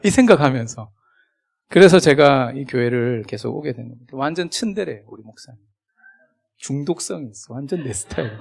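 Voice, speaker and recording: A man preaching a sermon as a guest pastor, chatty and humorous, with big swings in loudness, acting out remembered conversations. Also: medium pitch, gravelly. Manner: acts out remembered dialogue.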